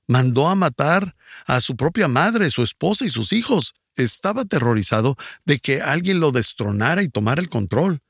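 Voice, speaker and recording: A man's voice: mid-range voice, no echo, studio quality. A man preaching a recorded sermon in Spanish, earnest and asking listeners direct questions.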